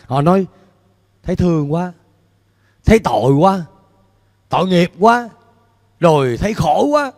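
Middle-aged male pastor, high voice, animated sermon style, handheld mic in a reverberant church hall. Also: a little slow, long pauses. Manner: animated preaching, questions to the congregation, gestures with free hand. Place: church stage before a large screen, indoors.

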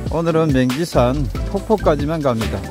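A man casually narrating a mountain hike as he walks, pointing out the trail and the sights in an unhurried way, recorded outdoors on a handheld camera. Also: on the high side, expressive, over music. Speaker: hiking vlogger.

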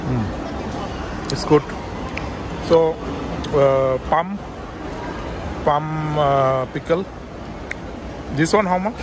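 A man giving a walking tour of a shopping mall, pointing out shops in plain, halting sentences with fillers. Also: fairly high pitch. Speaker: travel vlogger. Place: busy shopping mall, indoors. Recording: loud crowd and mall noise behind.

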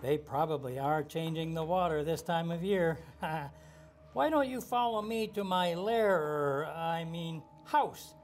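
A woman's voice: sits low, slow pace, a little mellow, soft background music. A woman voicing a sly, hungry dragon villain in a puppet show, with a scheming, sneering manner.

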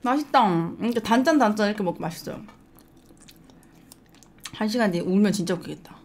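Animated and fast, a young woman with a medium-pitched voice hosts an eating show, telling stories and chatting frankly between bites. A slight hiss or hum and faint background music can be heard.

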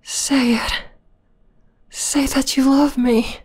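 A woman voicing an obsessive, possessive young vampire lover in an ASMR roleplay, soft, breathy and often whispering, cooing intimately with sweet menace. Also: high voice, flat delivery, very slow. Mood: adoring, possessive.

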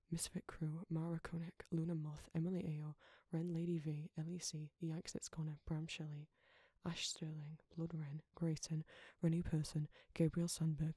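An ASMR creator softly reading out a list of names in a hushed voice that often slips into a whisper. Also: mid-range voice, slightly rough, no echo.

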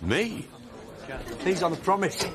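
A man's voice: sits high, takes it slowly, a crowd in the background, full character voice. A boisterous man in a soap drama, his voice leaping up and down as he jokes. A crowded pub chatters behind him. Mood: cheerful. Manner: boisterous, jokey, lively. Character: boisterous Yorkshire man, proud of his new woman.

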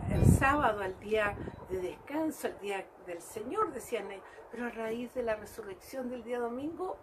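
A woman's voice: on the high side, noisy background. A woman giving a fervent devotional reflection and calling her listeners dear brothers. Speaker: lay preacher. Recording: music playing behind her.

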